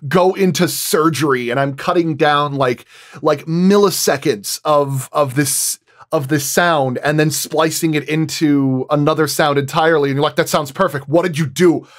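A man talking casually as a sound designer on a roundtable, explaining things through animated anecdotes and acting out quoted remarks. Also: on the high side, normal speed. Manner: animated storytelling, acts out quoted dialogue.

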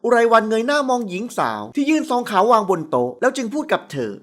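A woman's voice: fairly high pitch, sing-song, fast. A woman narrating a romance audiobook in scripted narration.

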